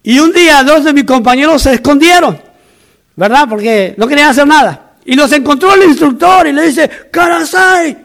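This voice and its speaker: A man's voice: extremely high pitch, animated, a little fast, creaky, fairly bright tone. A man from Argentina preaching a sermon as a pastor, emphatic and repetitive, with humorous asides.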